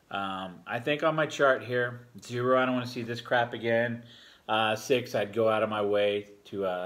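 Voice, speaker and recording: A man in his forties gives a relaxed, rambling beer review full of fillers, talking at a table in a home bar room. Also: fairly low pitch. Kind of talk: casual beer review vlog. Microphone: fixed camera at a table.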